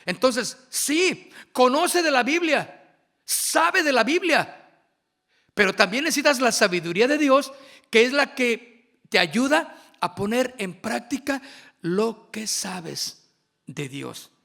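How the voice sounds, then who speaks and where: A man preaching at a worship workshop, with emphatic, drawn-out phrasing and asides to his listeners. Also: very high-pitched, animated, vocal fry, sharp tone.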